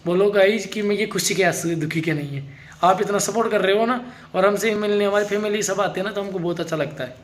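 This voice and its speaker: Male family vlogger with a high voice, coaxing and reassuring, casual chat to camera. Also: fast talker. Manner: coaxing and comforting, talks to camera and partner. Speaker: vlogger host.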